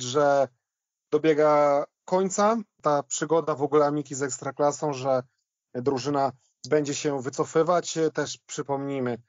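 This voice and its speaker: A man talking football casually as a podcast panelist, recounting things in a halting, reflective way. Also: a little high, no echo, muffled recording.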